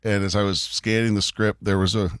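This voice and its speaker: A man co-hosting a morning radio show, bantering playfully and reading comic verse with theatrical, drawn-out delivery. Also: lowish voice, level tone, a bit bright, clean tone, no echo, clean studio sound. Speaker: radio co-host. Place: radio studio. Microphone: studio microphone.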